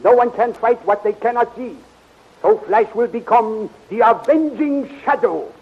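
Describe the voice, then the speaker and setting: A fatherly, secretive inventor in a 1930s radio serial. His voice is high for a man, measured and formal. It comes through thin and tinny, with faint noise. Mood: patient, assured. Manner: measured, formal, avoids contractions. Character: patient, fatherly male scientist-inventor, secretive and proud. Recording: tinny, narrow, noisy 1930s radio recording.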